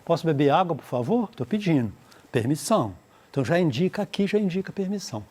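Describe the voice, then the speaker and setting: Brazilian man teaching English, slightly high voice. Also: big pitch swings, a little mellow, slightly rough. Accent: Brazilian Portuguese. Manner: slows down to model English phrases, then translates; explanatory, repeats points with "né?" and "tá?". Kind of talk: televised exam-prep lesson.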